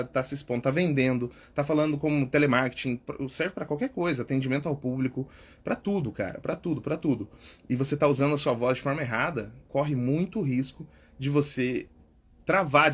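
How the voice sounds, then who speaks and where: Husky Brazilian man coaching voice use. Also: mid-range voice. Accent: Brazilian Portuguese. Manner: repeats key words, ends phrases with tag questions. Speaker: public speaking coach. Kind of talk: casual instructional talk.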